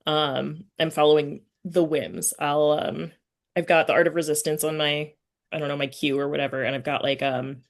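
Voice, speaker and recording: Woman, low voice, podcast host, casual chat, rambling, self-interrupting. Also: steady tone, normal speed, gravelly.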